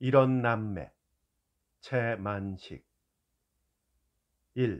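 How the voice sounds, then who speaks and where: A man at medium pitch, with ordinary pitch variation and a very slow pace. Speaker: announcer. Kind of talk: audiobook reading.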